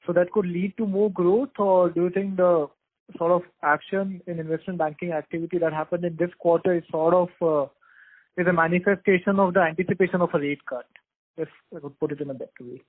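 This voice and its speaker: Male analyst caller, slightly high pitch, courteous questioning, narrow-band telephone sound. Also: fairly even intonation, a little fast, dry recording. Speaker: investment analyst asking questions. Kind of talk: polite question on an earnings call. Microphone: phone. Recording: narrow tinny phone line.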